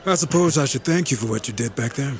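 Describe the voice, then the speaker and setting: A man's voice: mid-range voice, expressive, quick pace, close to an everyday voice. A man playing a commanding, formal sorcerer. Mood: courteous. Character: imposing bearded freeman sorcerer, calm, formal.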